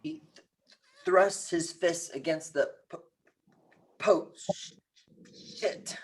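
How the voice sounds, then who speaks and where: A woman playing an earnest, grieving boy with a halting stutter in a script table read. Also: fairly low pitch, slight background noise, low-quality recording. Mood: strained, halting. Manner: halting stutter on hard words.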